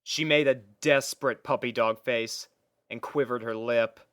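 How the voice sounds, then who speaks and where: A man's voice: mid-range voice, steady tone, measured pace, fairly bright tone, smooth, dry recording, clean studio sound. A man reading scripted story narration as the narrator of a piece of fiction.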